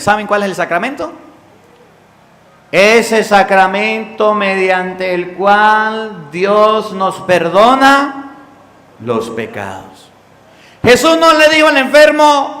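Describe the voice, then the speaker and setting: A priest preaches a sermon and questions his congregation in a high, pushed and bright voice. The sound echoes in a hall with long reverb.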